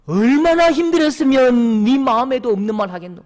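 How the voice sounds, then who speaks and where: A man voicing a tender rural mother who consoles her son in a Gyeongsang accent, repeating her words softly and pleadingly. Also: extremely high pitch, brisk, pitched above the performer's own voice. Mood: consoling. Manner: soothing, pleading, repetitive.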